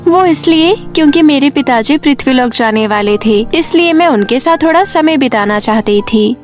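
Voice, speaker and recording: Woman as a high-voiced young serpent girlfriend, soothing. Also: lively intonation, normal speed, soft background music. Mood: explaining. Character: young female serpent friend, admiring, soothing.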